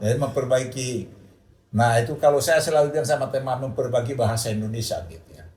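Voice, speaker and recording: A somewhat breathy man with a North Sumatran accent at a very fast pace, with ordinary pitch variation, big swings in loudness and audible room echo. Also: medium pitch for a man. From North Sumatra, Batak region. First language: Batak (speaking Indonesian). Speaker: retired pharmacist and church elder. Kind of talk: casual interview.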